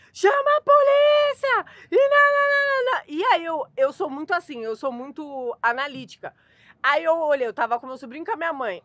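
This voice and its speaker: High-voiced Brazilian woman telling animated stories. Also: no echo. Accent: Brazilian Portuguese. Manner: animated, dramatic storyteller. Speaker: co-host. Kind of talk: casual chat.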